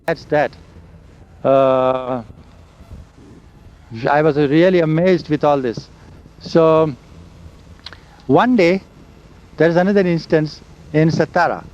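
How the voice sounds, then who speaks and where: Older man, halting recollection. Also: on the high side. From India. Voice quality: loud voice. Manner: slow, halting storytelling of memories. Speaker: interviewee. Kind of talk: oral history recollection. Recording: dull lo-fi recording with faint hiss and vehicle sounds.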